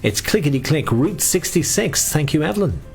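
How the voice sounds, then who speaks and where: A man's voice: a little high, big pitch swings, normal speed, vocal fry, soft background music. A middle-aged Irish man working as a bingo caller, calling numbers in a sing-song way with repeats and mixing in casual chat.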